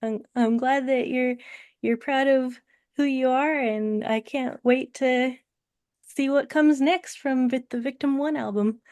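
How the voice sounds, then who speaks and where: A woman's voice: sits high, fairly even intonation, a little slow, a little mellow, clean tone, no room sound. A woman interviewer chatting casually, a little hesitant and giggly as she talks.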